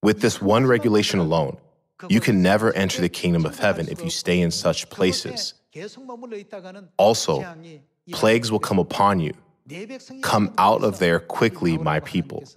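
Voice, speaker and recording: A middle-aged man preaching a sermon at a pulpit, measured and posing rhetorical questions he then answers. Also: low-pitched. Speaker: pastor. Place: large church hall, at a pulpit. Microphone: podium microphones.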